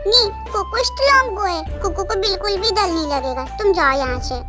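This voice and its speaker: A woman's voice: extremely high pitch, animated, moderate pace, loud music behind the voice. A woman voicing a grown man with the mind of a five-year-old boy, pouty and clingy, speaking of himself by his pet name, reading a storybook. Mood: sulky.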